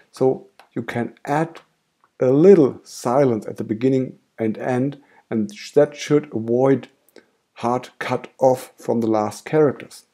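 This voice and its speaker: A man with a German accent, a native German speaker, calmly explaining software steps in a screen-recorded tutorial. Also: mid-range voice. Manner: calm step-by-step explaining. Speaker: tutorial host.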